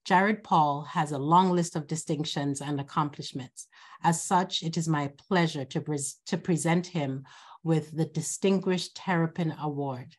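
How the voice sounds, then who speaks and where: Low-voiced woman hosting a video call. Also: measured pace, breathy edge. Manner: warm, repeats words while speaking off the cuff. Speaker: college dean hosting an alumni event. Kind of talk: welcome speech over video call.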